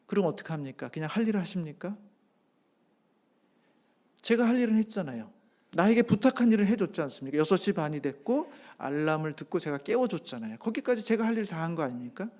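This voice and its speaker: High-voiced Korean pastor preaching earnestly. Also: male voice, lively intonation, fast. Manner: earnest preaching, swelling loud on key phrases then dropping soft; tells a homely family story with acted-out quotes. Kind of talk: sermon.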